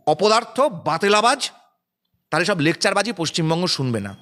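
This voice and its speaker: A man's voice: sits high, a bit bright. A man with a Bengali accent giving an emphatic, combative press statement as a political spokesperson.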